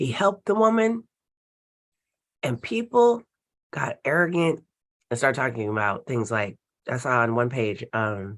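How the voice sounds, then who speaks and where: A loud woman speaks with a very deep, low pitch and very wide pitch swings in an animated tone. Her long pauses come often, against a quiet background. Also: moderate pace. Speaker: prophetess and deliverance minister. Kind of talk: casual chat.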